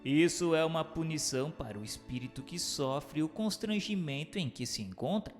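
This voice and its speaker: A man's voice: fairly high pitch, lively intonation, normal speed. A man giving a formal, declamatory scripted reading as narrator and questioner in a radio drama. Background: faint music.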